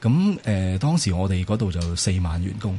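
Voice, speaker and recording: A man with a Hong Kong Cantonese accent giving modest, explanatory answers as an interview guest, with hesitant pauses. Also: deep voice, sing-song, mellow, slight background noise. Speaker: interview guest, former tech company employee. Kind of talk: casual interview talk.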